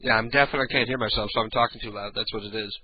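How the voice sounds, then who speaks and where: Raspy older man hosting radio. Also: fairly even intonation, rapid-fire, phone-quality sound, slight background noise. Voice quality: raspy, booming. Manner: rambling storyteller, frequent throat clearing. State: clogged ears and sinuses. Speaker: radio talk show host. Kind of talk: casual late-night radio talk, profane.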